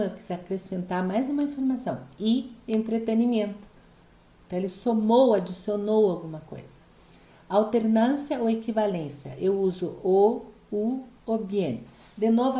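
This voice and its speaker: A woman's voice: a little high, mellow, reverberant. A woman from Brazil teaching a grammar lesson, explaining step by step and checking in with her students often. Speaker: Spanish teacher. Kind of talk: recorded online class explaining grammar.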